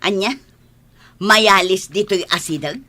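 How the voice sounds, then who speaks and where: A woman voicing a grumbling, resentful middle-aged village woman with a sharp tongue. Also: mid-range voice, slow pace. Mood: curious.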